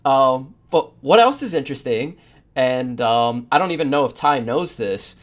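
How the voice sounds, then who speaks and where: Male podcast co-host, average pitch, casual conversational delivery. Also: lively intonation, moderate pace.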